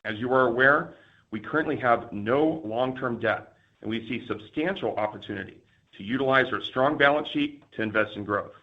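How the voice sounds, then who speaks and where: A man giving a scripted, formal and measured financial presentation as a company executive on an earnings call. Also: mid-range voice. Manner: formal, measured corporate delivery. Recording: dull, lo-fi conference call audio.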